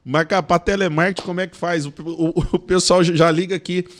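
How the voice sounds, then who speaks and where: A man's voice: high voice, fairly even intonation, a little fast. A man guest on a podcast, telling personal stories casually with a stutter, repeating sounds and words, often laughing as he talks. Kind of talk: casual storytelling.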